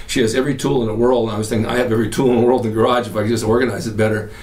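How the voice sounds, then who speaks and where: A man's voice: lowish voice, fairly even intonation, darkish tone. An older man from California hosting his own podcast, telling rambling stories in casual chat. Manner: rambling storyteller, quick and chatty. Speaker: podcast host. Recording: roomy echo, mic at a distance.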